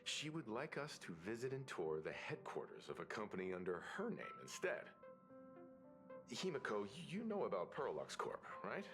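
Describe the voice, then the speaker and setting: Mature advisor guy, deep-ish, articulate, expressive pitch, game scene with music. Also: normal speed. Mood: informative, courteous. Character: calm, courteous, mature male advisor. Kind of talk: video game voice acting.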